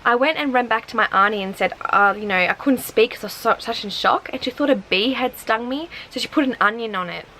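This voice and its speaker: A woman's voice: fairly high pitch, fairly quick, few pauses, sharp tone, slight background noise, low-quality recording. Chatty young woman vlogging outdoors. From Germany. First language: German. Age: 20s. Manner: chatty and upbeat, with lots of "like" fillers. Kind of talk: casual chat to camera. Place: porch in front of wooden shutters, outdoors. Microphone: camera in front at chest height.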